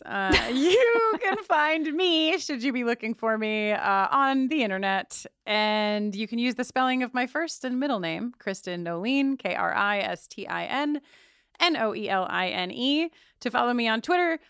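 Smooth-voiced chatty woman podcast host. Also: mid-range voice, lively intonation, normal speed, a bit bright, no room sound, studio quality. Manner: chatty, laughing, playful. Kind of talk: casual chat.

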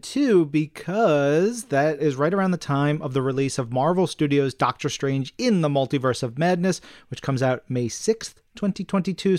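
A man's voice: fairly high pitch, darkish tone, dry recording, clean studio sound. A man co-hosting a podcast in casual promotional fan chat, speaking with an enthusiastic, emphatic, jokey manner. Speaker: podcast co-host.

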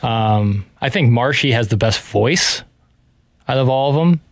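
A man working as a radio producer, talking casually and wryly in a flat, self-described monotone. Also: medium pitch, measured pace, no room sound, studio quality. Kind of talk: casual sports radio banter.

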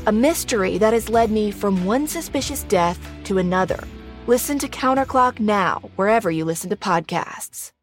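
A woman's voice: mid-range voice, lively intonation, normal speed, soft background music. A woman, a podcast host, reading a scripted promo with a dramatic delivery.

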